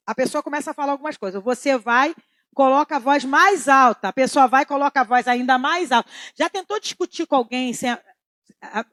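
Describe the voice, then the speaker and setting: High-voiced woman teaching the Bible. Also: a bit bright, no echo, clean studio sound. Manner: repeats key phrases, asks the audience questions. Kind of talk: conversational church Bible teaching.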